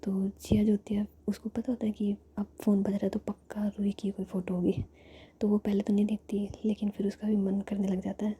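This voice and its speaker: A woman narrating a romantic story in a steady whisper. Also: medium pitch, fairly quick, husky. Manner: soft whisper throughout, flat delivery.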